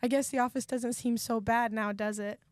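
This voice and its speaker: Radio play heroine woman acting: high voice, frightened yet defiant, pleading, recorded very dry. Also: fairly even intonation, moderate pace, dry recording, close to an everyday voice. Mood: relieved. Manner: anxious, pleading. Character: frightened but defiant young woman hunted by her ex.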